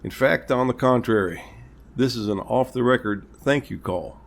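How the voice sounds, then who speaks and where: A man playing a polite, reassuring police captain, speaking in a measured, earnest way in an amateur audio drama. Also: medium pitch, vocal fry, slight background noise, close to an everyday voice. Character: courteous, reassuring male small-town police captain.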